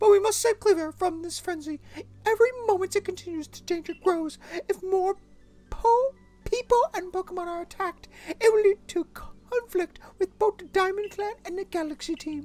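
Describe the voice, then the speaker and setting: Music plays in the background as someone uses a put-on character voice at an extremely high pitch. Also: moderate pace. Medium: actual play. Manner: earnest, measured.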